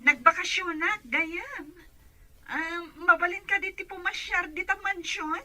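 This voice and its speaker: Very bright, high-voiced female friend by an actress. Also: measured pace, heavily acted, low-quality recording. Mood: hopeful. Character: female friend of the caregiver, eager visitor. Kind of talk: Ilocano audio drama acting.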